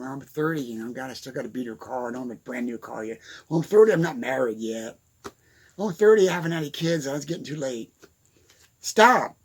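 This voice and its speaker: A man's voice: fairly high pitch, gravelly, breathy edge. A man giving a casual, rambling motivational rant to camera in his apartment, laughing and going off on asides. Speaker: motivational YouTuber.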